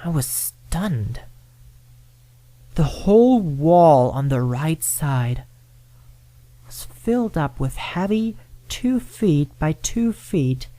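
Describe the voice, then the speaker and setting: A man's voice: fairly high pitch, animated, drawn-out words, pauses often, dark tone, no echo. A man narrating a first-person ghost story, dramatic and at times dropping to a whisper.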